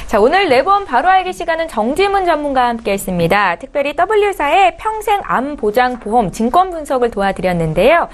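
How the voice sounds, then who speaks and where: Lively woman hosting a broadcast. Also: high-pitched, brisk, hardly any pauses. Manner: polite, formal, lively delivery. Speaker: show host. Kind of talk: broadcast presenting.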